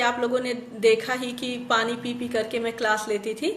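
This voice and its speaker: A woman with a high pitch speaks over noticeable background noise, with audible room echo. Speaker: college Hindi lecturer. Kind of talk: online class lecture with Q&A. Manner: hesitant fillers, conversational.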